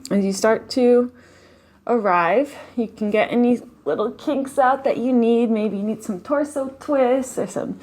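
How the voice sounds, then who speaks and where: A woman leading a live guided meditation, speaking softly and slowly with long pauses and audible sighs. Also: a little high. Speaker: meditation teacher. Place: home, live online session.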